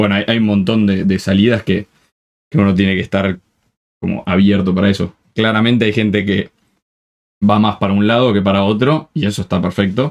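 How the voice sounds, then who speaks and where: A man speaks with fairly even intonation and very even loudness. Long, frequent pauses break up his speech. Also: fairly low pitch for a man. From Argentina, Buenos Aires. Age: 20s. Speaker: baritone singer, music student. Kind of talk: casual chat.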